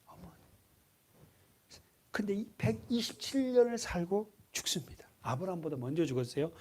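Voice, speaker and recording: A man's voice: sits high, normal speed, a little hiss or hum. A male pastor preaching a sermon to his congregation, asking them questions and acting out voices. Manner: lively, asks the congregation questions, acts out voices.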